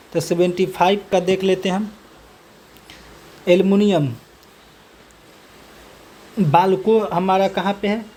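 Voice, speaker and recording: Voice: mid-range voice, warm tone. A coaching teacher working through a multiple-choice test, reading each question twice and then announcing the answer and option in the same set phrase. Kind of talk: reading and solving quiz questions.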